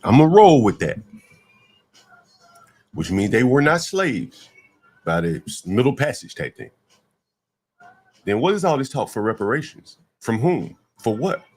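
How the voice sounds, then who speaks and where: A man's voice: medium pitch, big pitch swings, a little slow, long pauses, darkish tone, slightly rough. A man in his fifties giving blunt, dismissive commentary, rambling with restarts. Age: 50s. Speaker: commentator reacting to a panel. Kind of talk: opinionated commentary.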